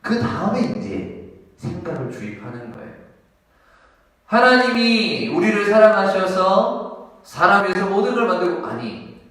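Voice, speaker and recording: A man's voice: high voice, sing-song, a little slow, fairly bright tone. A male pastor preaching a sermon in a church, animatedly asking and answering his own questions. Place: church sanctuary. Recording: echoey hall, mic far off.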